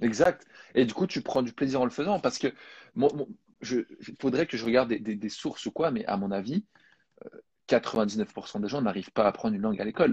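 A man speaks at a fairly quick pace with lively intonation and a medium pitch, broken up by long, frequent pauses. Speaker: language coach. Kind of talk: live-stream interview. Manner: halting.

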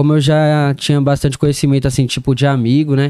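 A man talks fairly quickly in a dark, mellow tone. His pitch is fairly high, but his intonation is flat and monotone. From Brazil, Suzano, São Paulo state. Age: 20s. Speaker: DJ and music producer. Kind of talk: casual chat. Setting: studio.

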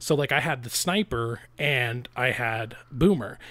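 In a very clean recording with a silent background, a man with an American accent talks in an ordinary speaking voice at medium pitch with lively intonation. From Idaho. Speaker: video game podcast co-host. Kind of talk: casual chat.

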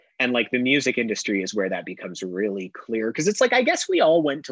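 A man with a Western Canadian accent talks at a fairly quick pace in a medium pitch, the sound dry and close with no echo. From Alberta, Canada (Lethbridge). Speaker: musician. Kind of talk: casual chat. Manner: animated.

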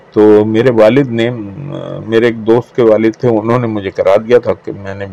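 A medium-pitched male voice with monotone, flat intonation over noticeable background noise. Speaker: writer and researcher. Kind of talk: interview.

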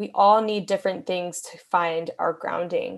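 Against a quiet background, a woman with an American accent has an unremarkable speaking voice, fairly low in pitch, with fairly even intonation. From Miami, Florida (Dominican American family). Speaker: community organizer. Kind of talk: interview conversation.

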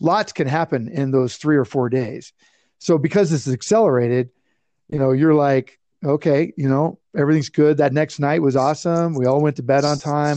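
Here a man with an American accent has a plain, everyday voice. He speaks at a moderate pace in a fairly high pitch with ordinary pitch variation. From Colorado. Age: 50s. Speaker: former game contestant. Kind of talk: casual chat.

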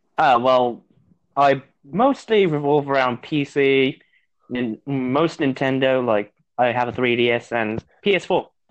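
With a British accent, a man talks at a very slow pace, pausing long and often, with ordinary pitch variation. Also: medium pitch for a man. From Mexico. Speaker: guest. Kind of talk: casual chat.

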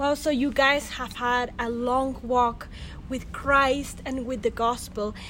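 A woman speaks very slowly in a high, flat monotone. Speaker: interviewer/podcast host. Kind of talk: casual interview. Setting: in Ecuador, in person.

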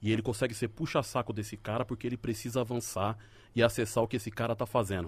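On a very clean recording with a silent background, a man speaks at a very fast pace in an animated, passionate tone that is somewhat breathy. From São Paulo periphery, Brazil. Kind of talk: casual chat. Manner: animated, slangy, passionate.

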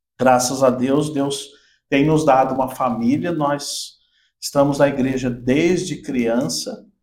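A man's fairly high voice at a very slow pace, with ordinary pitch variation and audible room echo. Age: 50s. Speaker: pastor. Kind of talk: religious talk show. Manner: halting, with repeated words.

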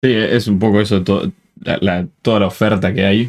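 At a moderate pace, a man with an ordinary speaking voice talks at a fairly low pitch with fairly even intonation. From Argentina, Buenos Aires. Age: 20s. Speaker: baritone singer, music student. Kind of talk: casual chat.

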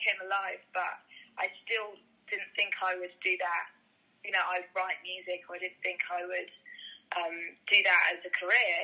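A woman with a southern English accent speaks at a moderate pace, taking long, frequent pauses. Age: 20s. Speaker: worship leader and singer. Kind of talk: casual interview chat.

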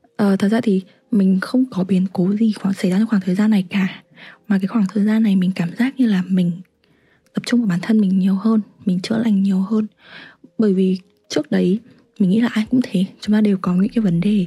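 A woman speaks at a fairly quick pace with long, frequent pauses, in a somewhat breathy, dark, mellow tone at medium pitch, with fairly even intonation and very even loudness. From northern Vietnam, Hai Phong. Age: 20s. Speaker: university student, podcast guest. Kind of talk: casual interview.

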